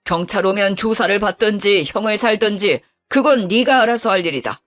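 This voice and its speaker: A woman's voice: mid-range voice, animated, brisk, faint music behind, close to an everyday voice. A woman voicing a stern older father-in-law who gives cold, firm orders. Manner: stern, commanding.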